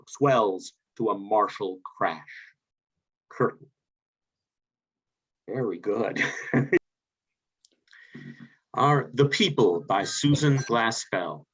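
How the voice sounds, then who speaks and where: A man reading stage directions as scripted narration for a play, over a video call. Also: mid-range voice. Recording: dull video call audio.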